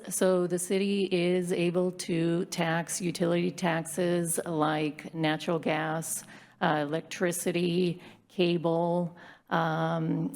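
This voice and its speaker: A woman with a hoarse, very low voice presents revenue and spending figures to a city council. She talks plainly and explains each item, with frequent fillers. She is recorded in a council chamber. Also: darkish tone. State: hoarse from bronchitis. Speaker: city finance staff presenting budget. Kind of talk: budget presentation at council meeting.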